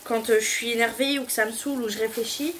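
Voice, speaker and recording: A young beauty vlogger with a southern French accent chats casually at home while doing a DIY hair treatment, giggling and swearing loosely. Her voice is fairly high and fairly bright, with fairly even intonation and a fast pace, over slight background noise.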